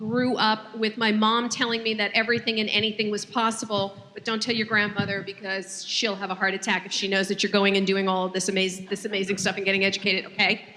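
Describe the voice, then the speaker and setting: Against noticeable background noise, a woman with a New York accent talks at a fairly quick pace with fairly even intonation. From New York (Bronx, upstate). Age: 40s. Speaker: entrepreneur and speaker. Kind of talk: interview.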